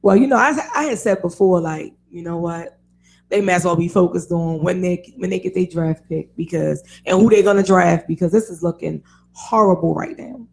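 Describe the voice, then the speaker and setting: A woman with a raspy voice hosting a casual sports talk radio show, chatty and opinionated, laughing often. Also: fairly low pitch, normal speed, darkish tone.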